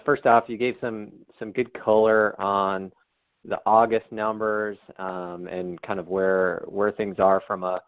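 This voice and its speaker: A man asking questions as a financial analyst over the phone, polite and a little halting. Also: on the low side. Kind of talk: unscripted call questions. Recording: thin telephone line.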